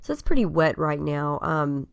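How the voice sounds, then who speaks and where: Low-voiced woman, scratchy with a cold. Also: normal speed, gravelly, smooth. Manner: relaxed and chatty, with frequent ums. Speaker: scrapbook crafter. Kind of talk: casual voice-over narrating a craft process video.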